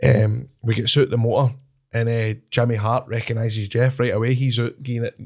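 A man with a Scottish accent telling animated, swearing-laced stories as a wrestler guest in casual chat. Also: mid-range voice, normal speed. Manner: animated, swears, laughs at his own stories.

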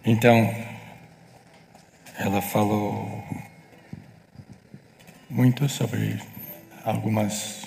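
Slow gravelly man preaching in a hall. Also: lowish voice, level tone, darkish tone, slight background noise. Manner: slow, halting, searching for words. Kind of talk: church teaching. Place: church meeting room. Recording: echoey hall with long reverb.

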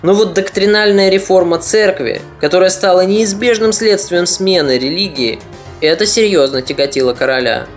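Give me a calm, deliberate male podcast narrator reading a history script. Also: high-pitched, faint music behind. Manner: steady, deliberate storytelling.

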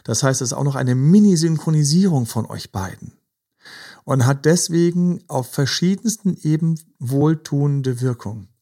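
A man hosting a podcast, gently advising couples in a casual chat, with many fillers. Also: a little high, moderate pace, slightly rough. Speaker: podcast host.

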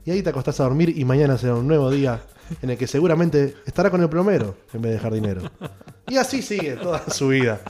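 A man with an Argentine accent hosting a radio show, joking in crude, animated casual banter. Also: mid-range voice, quick pace, soft background music. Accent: Argentine Spanish. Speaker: radio host.

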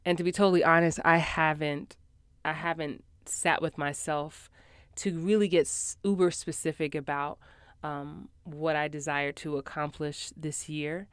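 A woman's voice: deep voice, steady tone, unhurried, clear, resonant tone, no room sound, clean studio sound. A woman hosting her podcast in casual chat, a little stuffy from a cold, upbeat with lots of fillers. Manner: chatty, upbeat, many fillers. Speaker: podcast host, actor coach. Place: small home voiceover booth in a former closet.

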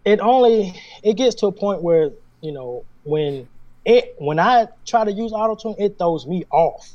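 A man's voice: sits high, expressive, unhurried, highs cut off. A male singer talking casually as a guest, laid-back and chatty, often laughing. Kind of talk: casual conversation.

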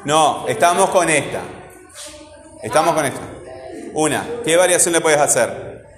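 In a classroom with long, echoey reverb and faint ambience, a man with a somewhat high voice teaches a grammar lesson at an unhurried pace over music. He asks his students questions and often answers them himself.

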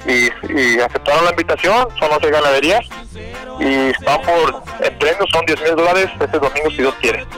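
A man's voice: a little high, moderate pace, bright, forceful tone, soft background music, low-quality recording. Nervous Mexican man, hesitant radio guest. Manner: hesitant, many fillers and restarts. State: nervous on air. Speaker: rodeo promoter, interview guest. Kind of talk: radio interview.

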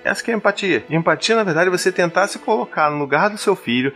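A man with a Brazilian accent giving casual parenting advice to camera, animated and talkative, leaping up in pitch when he acts out a parent. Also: fast, faint music behind. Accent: Brazilian Portuguese. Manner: animated, jumps high when quoting a parent. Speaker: parenting vlogger, father.

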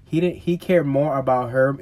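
A man's voice: medium pitch, normal speed, darkish tone, dry recording. A man co-hosting a casual conversation, blunt and heavily profane. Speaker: podcast co-host. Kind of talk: crude casual chat.

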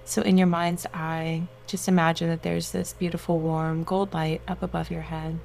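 A woman leading a slow, soothing guided meditation, giving gentle, unhurried instructions. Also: on the low side, level tone, creaky, faint music behind.

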